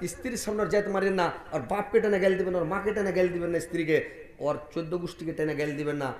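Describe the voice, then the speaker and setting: A man's voice: sits high, steady tone, quick pace. Echoey, joking male preacher. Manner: jokey, acts out husband and wife dialogues. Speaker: Islamic preacher. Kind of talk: lively village sermon.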